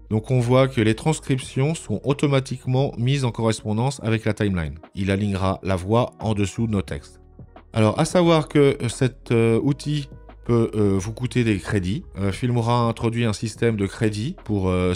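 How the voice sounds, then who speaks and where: Male tutorial presenter, lowish register, methodical and informal with hesitant pauses, music underneath. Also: darkish tone. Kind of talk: informal step-by-step screencast narration. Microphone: voice-over recorded on a microphone at a computer.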